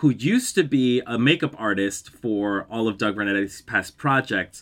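Recorded very cleanly over a silent background, a man speaks at a moderate pace in a bright, sharp tone with ordinary pitch variation. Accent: New York. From Colombia (Palmira), raised from 12 in Queens, New York. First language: Spanish. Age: 30s. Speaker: actor. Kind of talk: interview.

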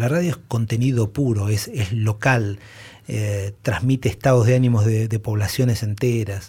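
This man has a somewhat breathy, dark and mellow voice set at a fairly low pitch, and his intonation stays fairly even. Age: 50s. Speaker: former radio host and producer. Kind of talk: interview.

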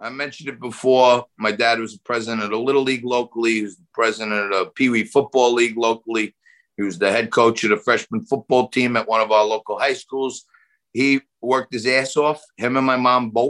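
Fairly quick and fairly even in intonation, a man speaks with a New York accent. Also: medium pitch for a man. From Staten Island, New York. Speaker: TV finance host and Wall Street veteran. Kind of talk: casual interview chat.

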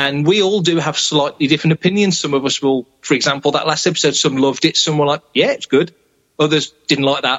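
In a British accent, the speaker goes at a very fast pace with fairly even intonation. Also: man, fairly high pitch for a man. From UK. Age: 50s. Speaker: Star Wars news site creator and writer. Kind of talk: casual interview chat.

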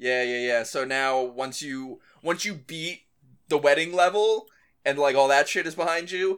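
A man with an American accent and an ordinary speaking voice talks at a moderate pace, fairly high in pitch, with ordinary pitch variation. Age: 30s. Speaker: podcast host. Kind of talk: casual chat.

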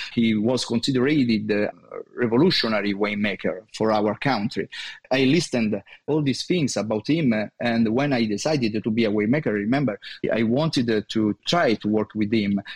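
A man with an Italian accent talks at a moderate pace and medium pitch, with ordinary pitch variation and very even loudness. The sound is dry and close with no echo, over a quiet background. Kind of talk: interview. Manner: halting.

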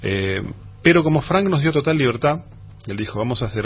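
A man speaks at a fairly high pitch with very wide pitch swings. Noticeable background noise sits behind him. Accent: Rioplatense. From Buenos Aires, Argentina. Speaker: bandoneon player. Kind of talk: radio interview.

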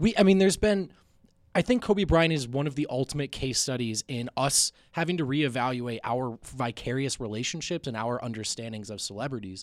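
In a dry, close sound with no echo, a man with a plain, everyday voice speaks at a fairly quick pace, medium in pitch and with lively intonation. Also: very clean recording, silent background. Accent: American. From New Jersey. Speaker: basketball reporter. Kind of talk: casual chat.

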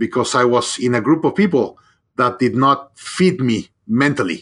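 Against a quiet background, the speaker uses lively intonation with a Spanish accent. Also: man. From Mexico (Mexico City). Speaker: entrepreneur and business coach. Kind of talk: interview. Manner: halting, with repetitions and fillers.

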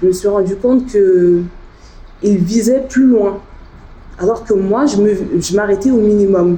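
A woman's medium-pitched voice at a fairly slow pace, with ordinary pitch variation, long, frequent pauses, audible room echo and noticeable background noise. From France, Paris suburbs (Seine-Saint-Denis). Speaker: education program manager at a youth association. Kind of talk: interview conversation.

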